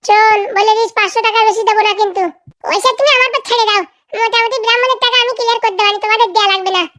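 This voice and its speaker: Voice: very high voice, steady tone, very fast, sharp tone, no room sound, studio quality. A performer voicing a cheeky, eager young sidekick in a comedy cartoon, chattering in a colloquial way. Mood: chatty. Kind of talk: comic cartoon dialogue.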